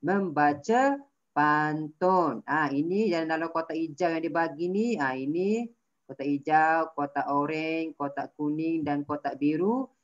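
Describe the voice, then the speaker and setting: A woman's voice: sits low, measured pace, dull audio. A woman with a Malaysian accent teaching young pupils in an online class, patiently prompting and correcting them as they read aloud. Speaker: primary school teacher.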